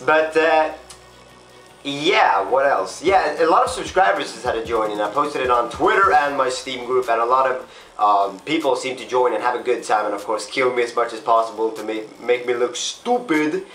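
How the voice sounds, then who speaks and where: A young man from Sweden vlogs from his desk, rambling along with plenty of "uh" and "yeah". His voice has dropped rough and deep after a night out. The small room rings back a little, and faint music plays underneath. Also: animated, moderate pace, a bit bright, echoey room. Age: young adult. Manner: rambling, chatty, many fillers. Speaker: gaming vlogger. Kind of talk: casual vlog to camera. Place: small bedroom desk setup, indoors.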